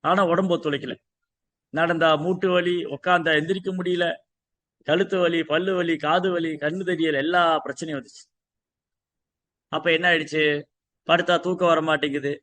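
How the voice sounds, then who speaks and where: A man's voice: high voice, fairly bright tone. A man speaking, giving a devotional scripture talk full of rhetorical questions and repeated lists. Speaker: Gita teacher. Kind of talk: devotional discourse.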